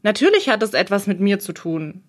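A woman's voice: mid-range voice, very animated, fairly quick, lightly acted. A woman voicing a stressed, dutiful young woman in an audiobook, defensive and indignant. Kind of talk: audiobook role reading.

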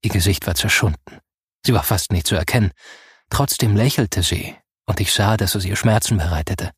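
A man narrating a first-person audiobook in a soft, grave storytelling manner. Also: fairly low pitch, moderate pace, slightly rough, dry recording, clean studio sound.

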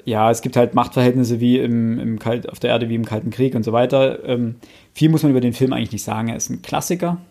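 A man with a dark, gravelly voice talks in relaxed podcast chat. He thinks aloud, restarts his sentences and gets keen when recommending things. He is close on a studio mic. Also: mid-range voice, fast. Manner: enthusiastic recommender. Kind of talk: casual chat.

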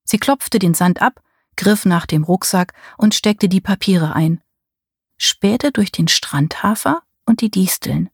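Eine Frau liest ruhig eine Erzählung vor. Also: female voice, mid-range voice, slow pace, husky, no echo, studio quality. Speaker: audiobook reader. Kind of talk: scripted narration.

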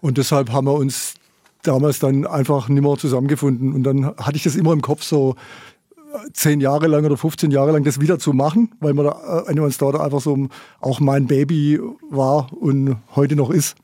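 A man in his fifties, a band founder and musician, easygoing and quick to laugh in a casual radio interview. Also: mid-range voice, level tone, dark tone, dry recording, studio quality.

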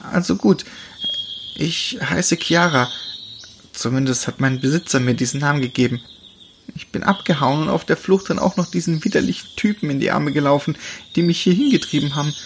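A man voicing a frightened young female animal on the run, speaking in a high, breathless voice, with crickets and birds behind. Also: fairly quick, slight background noise, natural voice. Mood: anxious.

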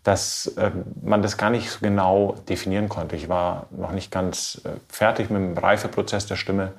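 Creaky, low-voiced man, thoughtful and measured. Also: flat delivery. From Bavaria, Germany. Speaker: classical baritone singer being interviewed. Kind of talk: reflective interview answers.

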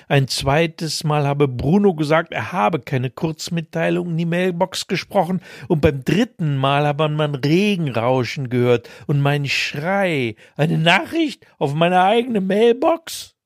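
A man's voice: on the high side, no echo. A man co-hosting a podcast, reading his own humorous column with dry, self-mocking storytelling and then chatting casually. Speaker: podcast co-host.

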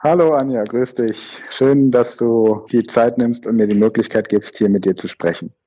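A native German-speaking man, a guest on an interview podcast, explaining fluently in a relaxed way. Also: mid-range voice, moderate pace, slightly rough, lo-fi sound. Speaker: guest, learning expert. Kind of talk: conversational interview.

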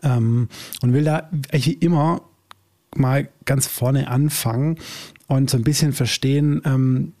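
A man of medium pitch with a gravelly edge hosts a podcast interview. He asks his questions in a friendly, meandering way, full of fillers and restarts. The sound is dry and close to the mic. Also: steady tone, warm tone, no room sound. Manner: friendly, halting, many fillers. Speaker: podcast host. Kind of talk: casual interview chat.

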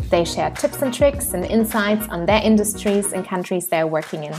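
A woman hosting a podcast, reading a scripted intro and then introducing her guest with upbeat enthusiasm. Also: fairly low pitch. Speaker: podcast host. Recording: music bed under the intro.

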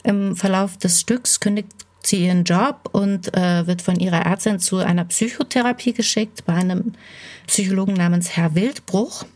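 A woman hosting a play reading, introducing and summarizing the piece in a relaxed, explanatory way with occasional fillers. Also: medium pitch, moderate pace.

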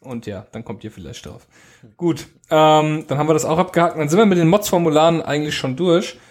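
A man chatting on a relaxed podcast, reading out listener mail with a teasing edge. His voice sits slightly high for a man. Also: brisk. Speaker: podcast co-host. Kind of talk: casual podcast chat. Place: home.

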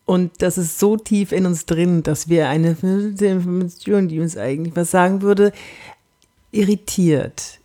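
Low dark-voiced woman podcast coach, lively, drops into whispers now and then. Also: a little slow. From Franconia, Germany. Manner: animated and emphatic, with whispered asides. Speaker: podcast host and body-language coach.

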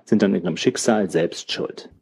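A man's voice: low-pitched, gravelly, a little mellow, slightly rough, exaggerated voice. Man voicing a thoughtful old scholar, lecturing. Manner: measured, lecturing. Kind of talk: audiobook character voice.

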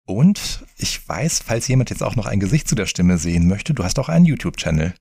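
A man's voice: fairly low pitch, big pitch swings, brisk, creaky, a little mellow, slightly rough, no room sound, clean studio sound. A man hosting a podcast, interviewing an author and signing off with fillers here and there. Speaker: podcast host.

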